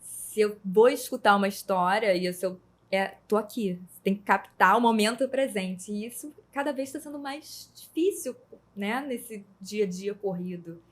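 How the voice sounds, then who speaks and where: Woman podcast host, mid-pitched, casual and emotionally open, quick to laugh. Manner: chatty, emotional, laughs easily.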